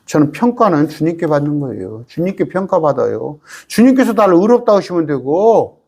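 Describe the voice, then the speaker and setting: A man's voice: fairly high pitch, sing-song, normal speed, creaky, a little mellow, husky. A male pastor with a Jeolla accent, preaching an emphatic, folksy Bible study sermon full of rhetorical questions. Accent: Jeolla Korean.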